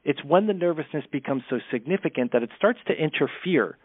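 A man speaking as a speech coach, brisk and candid in his advice. His voice comes through a thin, tinny line that sounds phone-like. The sound is dry and close, with no room around it. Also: fairly high pitch, expressive, slightly rough, no room sound. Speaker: communication coach. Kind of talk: podcast interview.

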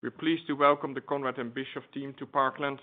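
A man's voice: medium pitch, steady tone, fairly quick. A man speaking as a company executive, giving a formal, businesslike scripted earnings presentation over a conference phone line. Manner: formal, businesslike corporate delivery. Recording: tinny, band-limited conference phone line.

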